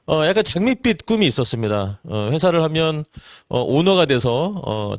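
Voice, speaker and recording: Man in his forties, earnest seminar speaker, rhetorical questions, fairly high lively voice, dry close sound. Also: no room sound. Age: 40s. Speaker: network marketing business presenter. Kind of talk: seminar talk to an audience.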